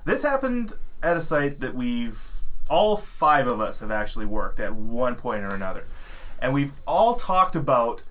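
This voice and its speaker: A man's voice: medium pitch, very animated, moderate pace. A man telling a long work story in a casual chat among coworkers, rambling with many ums and restarts. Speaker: podcast co-host, security guard. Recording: tinny phone-like sound.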